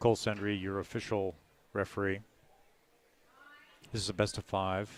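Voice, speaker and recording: A man speaks at a fairly low pitch and a moderate pace. His intonation is monotone and flat. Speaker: racquetball commentator. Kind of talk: live commentary. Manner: softer voice; casual, conversational.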